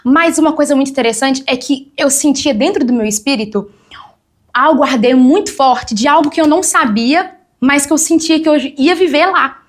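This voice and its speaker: Speaking at a normal pace with a high-sitting voice, a young woman from Brazil tells her testimony on a church talk show, imitating the people she quotes.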